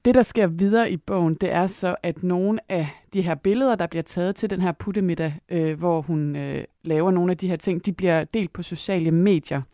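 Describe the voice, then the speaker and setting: A woman interviewer who calmly guides the conversation about a book and asks questions. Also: lowish voice, hardly any pauses, dry recording, studio quality. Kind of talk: radio interview.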